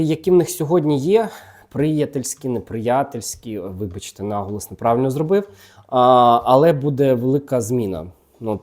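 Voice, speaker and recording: A man with a warm, mellow voice gossips casually while he reads cards. His talk is chatty and teasing, and he often turns to address the celebrities directly. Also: medium pitch. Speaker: gossip channel host reading tarot cards.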